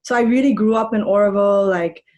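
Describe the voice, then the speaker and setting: Soft-spoken young woman guest. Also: mid-range voice, quick pace. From Germany. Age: young adult. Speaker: podcast guest. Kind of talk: casual conversation.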